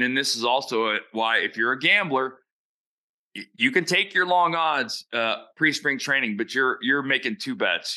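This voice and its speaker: A man's voice: fairly low pitch, pushed and bright. A man giving blunt, opinionated baseball analysis in casual podcast chat. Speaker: baseball analyst and show regular.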